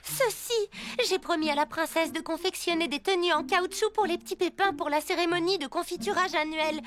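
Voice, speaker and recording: A woman's voice: extremely high pitch, a little fast, fairly bright tone. A woman voicing a fussy, dramatic young seamstress in a dubbed children's cartoon, sighing and wailing over her work. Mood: fretful. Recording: cartoon soundtrack with music behind.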